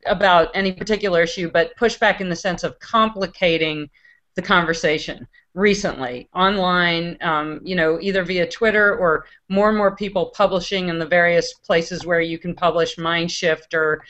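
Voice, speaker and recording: A woman's voice: lowish voice, steady tone, moderate pace, fairly bright tone, highs cut off. A young woman on a video call, talking in a hurry with stammering restarts.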